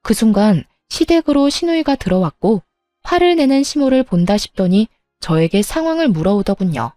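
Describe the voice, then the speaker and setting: A woman tells her own story in a scripted narration, wry and matter-of-fact. Her voice is mellow and dark-toned, recorded dry and close. Faint music plays behind her. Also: medium pitch, very animated, normal speed, no room sound.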